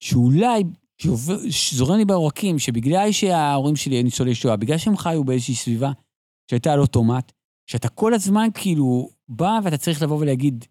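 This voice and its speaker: A man talking in a fairly high, very lively voice that rises and falls widely, with a mellow, dark timbre. He tells rambling stories as an interview guest, restarting sentences often. The recording is close and dry. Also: no room sound. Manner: animated, digressive, frequent restarts. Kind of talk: casual storytelling conversation.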